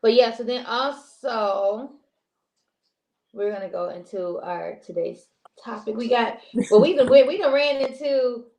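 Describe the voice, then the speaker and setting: A woman co-hosting a casual live-stream talk show, rambling and heartfelt with many pauses. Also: a little high, a little mellow. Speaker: co-host. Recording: echoey room with faint noise.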